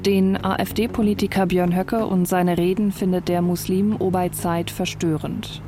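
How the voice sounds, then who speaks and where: A woman journalist narrating a documentary report in a calm, measured, scripted way. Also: on the low side. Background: faint music.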